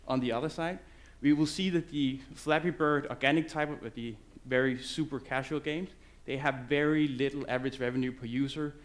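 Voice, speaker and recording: Male conference speaker, English, loose and halting on stage. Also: medium pitch. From Denmark. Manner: loose, halting delivery with many fillers and restarts. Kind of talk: conference presentation.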